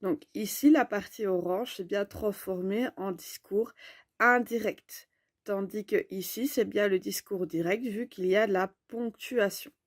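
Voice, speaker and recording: A woman teaching a grammar lesson in a slow, clear, explanatory way. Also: medium pitch, dry recording, clean studio sound.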